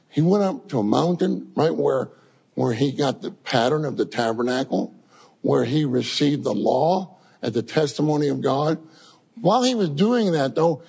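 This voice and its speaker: A man preaching a sermon to his congregation, telling scripture stories in an animated way. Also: a little high, creaky, husky, big-room sound. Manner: animated storytelling, addresses congregation as saints.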